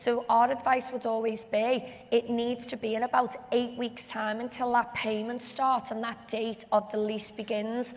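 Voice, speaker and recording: With hardly any pauses, a woman speaks at a moderate pace in a fairly high pitch and a monotone, flat intonation. Noticeable background noise can be heard. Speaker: business coach on panel. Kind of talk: panel talk to audience.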